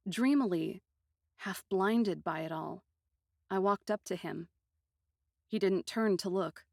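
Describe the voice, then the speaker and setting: A woman narrating a first-person fantasy story in an expressive, literary manner with deliberate phrasing. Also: medium pitch, vocal fry, no room sound, clean studio sound.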